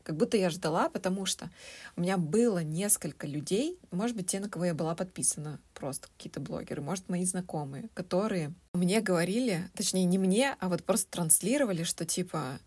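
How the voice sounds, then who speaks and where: Хрипловатая молодая женщина, болтливая подкастерша. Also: female voice, fairly low pitch, brisk, husky. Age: 20s. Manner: chatty, animated retelling with acted quotes. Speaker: podcast co-host. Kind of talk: casual podcast chat.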